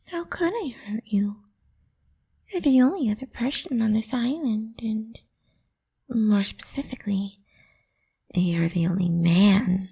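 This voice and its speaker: A woman's voice: mid-range voice, full character voice. Woman playing a whispery, possessive lamia girl. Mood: coaxing, protective. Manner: coaxing, teasing, soft and breathy. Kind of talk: whispered ASMR roleplay.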